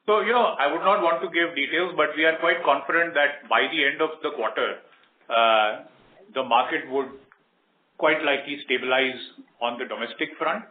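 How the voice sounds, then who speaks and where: A man with an Indian accent, a company executive giving measured, explanatory answers on an earnings call. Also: slight background noise. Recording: roomy, muffled low-bandwidth conference line.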